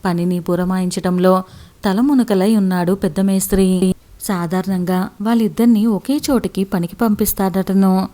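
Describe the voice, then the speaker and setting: A woman's voice: mid-range voice, fairly even intonation, moderate pace, warm tone. A woman narrating a village story steadily as a storyteller.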